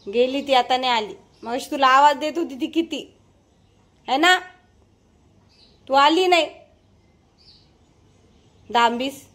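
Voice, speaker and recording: A woman's voice: high-pitched, a bit bright. A woman talking to her pet dog at home, scolding and coaxing it in a casual, bossy way. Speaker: pet vlogger. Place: home kitchen.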